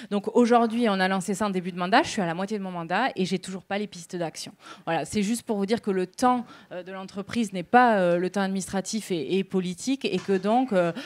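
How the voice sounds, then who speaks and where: Speaking with a Toulouse accent, a woman keeps a medium pitch and fairly even intonation at a fairly quick pace. The recording is very clean, with a silent background. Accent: southern French (Toulouse). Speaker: town mayor. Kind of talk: panel discussion. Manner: hesitant, many fillers.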